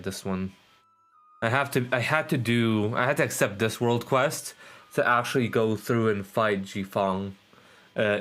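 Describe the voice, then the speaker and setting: A man's voice: fairly low pitch, a bit bright. A man doing casual live gameplay commentary, rambling, repeating himself and swearing offhand. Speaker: game livestreamer.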